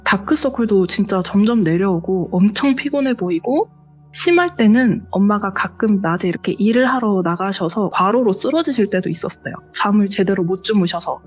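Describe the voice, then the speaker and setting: A woman's voice: mid-range voice, animated, normal speed, husky, dull audio, faint music behind. A woman, the guest on a horror radio show, recounts a true ghost story in a conversational, matter-of-fact way.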